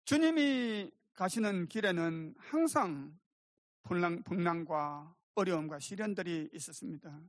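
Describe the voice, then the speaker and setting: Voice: medium pitch, animated, measured pace, no room sound, studio quality. A pastor preaching a sermon emphatically, calling for amens and speaking directly to the congregation. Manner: emphatic preaching with calls for amen.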